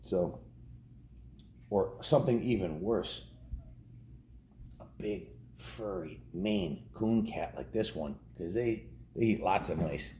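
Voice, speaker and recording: Laid back guy w low voice reading a kids book, chatty asides, roomy echo. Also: takes it slowly, pauses often, dark tone, slight background noise. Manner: informal, ad-libbing. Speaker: storybook reader. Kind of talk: casual read-aloud of a children's novel with chatty asides to kids. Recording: roomy, echoing indoor sound.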